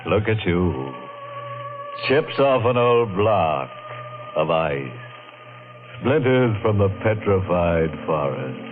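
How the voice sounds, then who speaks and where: An actor playing a ghoulish horror storyteller, hosting an old radio show with sardonic, teasing macabre humor. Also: male voice, low-pitched, very animated, slow pace, pauses often, soft background music, heavily acted. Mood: mocking, teasing. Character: ghoulish, mocking male horror storyteller host. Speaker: host. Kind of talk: 1940s radio horror narration. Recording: tinny old-time radio recording.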